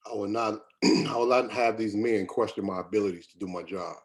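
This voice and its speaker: A man's voice: fairly low pitch, a little fast, natural voice. A man playing a weary, defensive company doctor, bitter and resigned, in a screenplay table read.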